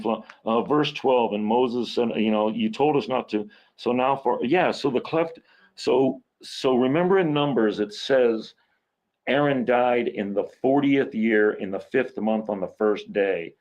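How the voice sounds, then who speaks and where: A man talks through a Bible passage in a loose, chatty way, stopping and restarting as he reads and explains. His voice sits at an ordinary middle pitch. The recording is dull and lo-fi. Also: darkish tone. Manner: rambling, frequent restarts and self-corrections while reading scripture aloud. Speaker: bible study host. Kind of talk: casual bible study talk.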